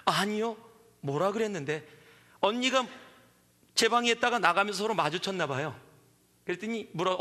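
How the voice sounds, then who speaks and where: Bright, high-voiced preacher in a hall. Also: male voice. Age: 40s. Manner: animated storytelling, acting out quoted voices. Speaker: pastor. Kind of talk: sermon. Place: church sanctuary. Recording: reverberant church hall.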